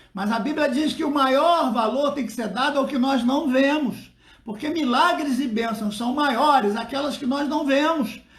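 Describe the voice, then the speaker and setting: A man talks at a fairly slow pace with an extremely high pitch and ordinary pitch variation. Audible room echo is present. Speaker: pastor and theology teacher. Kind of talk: bible study lecture. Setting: seated, filmed alone.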